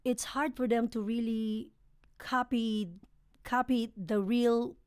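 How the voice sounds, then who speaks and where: A woman's voice: a little high, steady tone, slow pace, darkish tone, clean tone, no room sound, studio quality. A woman from the Philippines with a Filipino accent, a singer chatting cheerfully as a guest on a talk show, laughing often. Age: adult, sang professionally since eighteen. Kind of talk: casual interview chat. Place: podcast studio.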